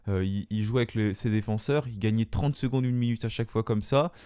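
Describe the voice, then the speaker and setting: A man's voice: lowish voice, steady tone, a little fast, warm tone, clean tone, no echo. A man giving a solo spoken debrief of a football match, hesitant, with many fillers and restarts, into a close microphone. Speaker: fan channel host.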